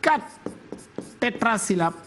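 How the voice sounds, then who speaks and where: A woman teacher giving a televised literature lesson, counting syllables slowly and deliberately. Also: on the high side, lively intonation, a bit bright, slight background noise.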